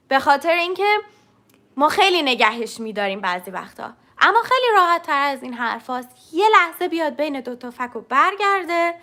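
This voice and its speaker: A woman's voice: high-pitched, bright, forceful tone. A woman teaching English on a live stream. She explains step by step, demonstrates sounds and answers viewers' questions from the chat. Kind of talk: live-streamed language lesson.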